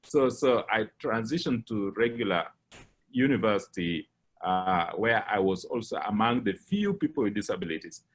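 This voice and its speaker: A middle-aged man with a Kenyan English accent, giving a personal account as a guest speaker, measured and pausing with frequent fillers. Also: lowish voice, lively intonation. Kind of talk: personal account in a lecture talk.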